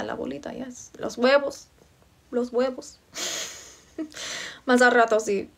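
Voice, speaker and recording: A young woman from Virginia hosting a casual phone livestream at home, reading out and answering viewers' comments, greeting them by name. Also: fairly high pitch. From United States, Virginia. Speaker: livestream host. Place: indoors, home room. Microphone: phone held close.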